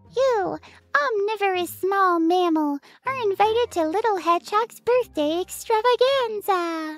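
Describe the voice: A squeaky, put-on character voice with lively intonation at a moderate pace. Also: woman, extremely high pitch for a woman.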